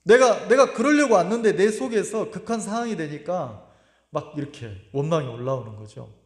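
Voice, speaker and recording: A middle-aged pastor preaching in a high, lively voice that rises and falls a great deal. He speaks earnestly, pausing and circling back over his words. The sermon rings through an echoey church hall with a long reverb tail. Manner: earnest, emotional storytelling with pauses and repeated words. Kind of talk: sermon with personal testimony. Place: church sanctuary.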